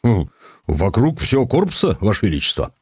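A man's voice: lowish voice, very animated, a little fast, darkish tone, husky, dry recording. A man voicing a pompous, commanding old-time naval officer in an audio story, drawing out his words. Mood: hesitant.

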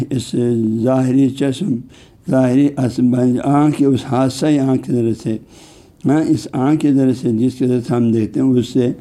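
A male Islamic scholar giving a religious lecture, explaining terms word by word with frequent filler phrases and reading Arabic passages slowly. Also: medium pitch, warm tone.

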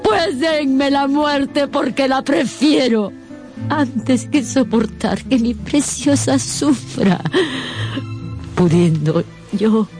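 A woman's voice: high-pitched, very slow, a little mellow. An actress playing a remorseful old gypsy grandmother in a radio drama, solemn, imploring and emotional. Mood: anguished confession. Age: older. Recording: prominent music behind.

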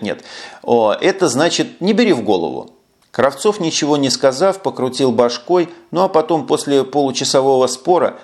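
Man narrating a wry first-person audiobook. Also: medium pitch.

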